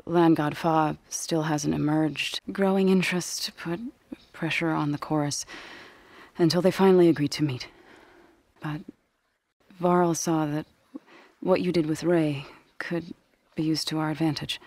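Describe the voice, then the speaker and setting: An actress playing an earnest, solemn tribal healer in a science-fiction video game, speaking in a measured, grave, formal way. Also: female voice, deep voice, steady tone, darkish tone, dry recording. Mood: measured, determined. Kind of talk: scripted video game character dialogue.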